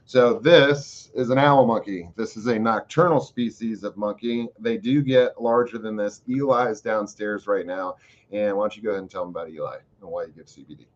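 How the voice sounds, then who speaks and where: A man's voice: fairly low pitch, brisk, highs cut off. A man hosting a casual live chat, answering viewer questions in a rambling, profane way with lots of fillers. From Florida. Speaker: host.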